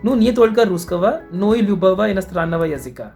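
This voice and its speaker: A man's voice: high voice, animated, fast talker, a little mellow, faint music behind. A man from India with an Indian accent, a guest answering interview questions carefully in a language he has learned. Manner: careful, thoughtful, a little formal. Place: online call.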